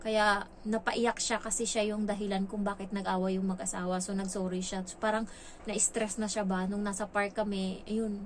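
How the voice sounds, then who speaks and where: A woman's voice: medium pitch, level tone, normal speed, a little hiss or hum. A woman from the Philippines vlogging casually and frankly about her work as a domestic helper abroad. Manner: chatty, frank, acts out quoted lines. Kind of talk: casual storytelling vlog.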